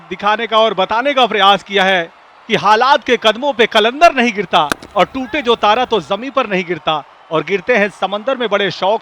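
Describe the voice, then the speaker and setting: A man giving excited cricket commentary and analysis in an effusive, flowery, poetic way. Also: high-pitched, a little hiss or hum.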